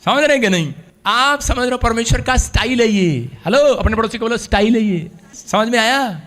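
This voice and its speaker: Male pastor, high voice, call-and-response sermon with loud bursts. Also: brisk. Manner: swings between shouting and hushed asides, laughs often. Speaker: preacher.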